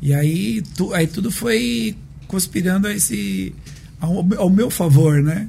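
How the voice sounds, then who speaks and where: Speaking at a very slow pace, a man uses a high pitch with very wide pitch swings, amid audible room echo and noticeable background noise. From Pernambuco, Brazil. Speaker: Pilates instructor. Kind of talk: casual interview.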